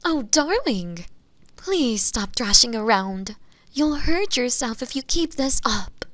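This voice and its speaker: A woman playing a seductive, possessive witch in an intimate audio roleplay, sweetly menacing and coaxing, with breathy murmurs that slip into whispers. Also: mid-range voice, takes it slowly, no echo. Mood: alarmed, pleading.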